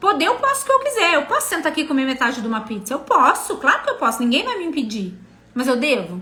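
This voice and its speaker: A woman talks very fast in a raised, projected, animated voice, high in pitch with very wide swings. Background noise is noticeable. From São Paulo state, Brazil. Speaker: diet mentor. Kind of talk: live stream talk. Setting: live video stream.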